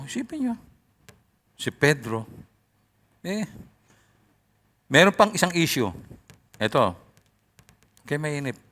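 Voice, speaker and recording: A male pastor preaching a sermon in an animated way, his voice often rising loud. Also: mid-range voice.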